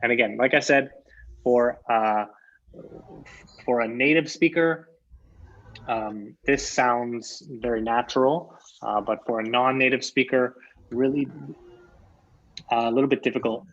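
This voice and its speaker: A man's voice: medium pitch, a little slow, long pauses, a bit bright, dull audio. A Canadian man teaching an English lesson online, patiently repeating key phrases for his students.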